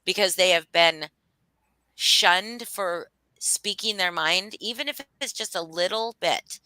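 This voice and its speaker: Bright-voiced woman chatting bluntly. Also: lowish voice, takes it slowly, no echo, low-quality recording. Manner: blunt, animated gossip with swearing. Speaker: host. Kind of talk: casual chat.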